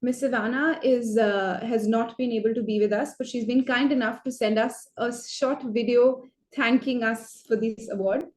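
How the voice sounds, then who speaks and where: Casting: higher-voiced woman emcee, formal and measured, echoey room. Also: fairly even intonation. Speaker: awards ceremony host. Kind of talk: reading formal introductions.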